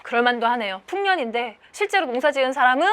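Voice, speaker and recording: A woman's voice: sits high, lively intonation, quick pace, fairly bright tone, clean tone. A woman teaching a literature class for exam preparation, explaining a play line by line and asking rhetorical questions. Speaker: literature lecturer. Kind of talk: exam-prep lecture.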